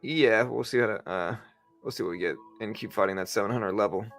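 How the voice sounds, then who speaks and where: A man's voice: on the low side, fairly quick, a bit bright. A man hosting a casual market livestream, chatting informally to viewers and thinking aloud as he goes. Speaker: livestream host, stock trader. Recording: music playing in the background. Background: music.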